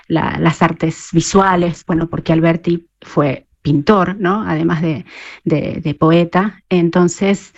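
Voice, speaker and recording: A woman from Argentina, answering interview questions as a poet and researcher, pausing often with fillers and restarts. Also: fairly low pitch, a little mellow, lo-fi sound. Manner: hesitant, many fillers and restarts.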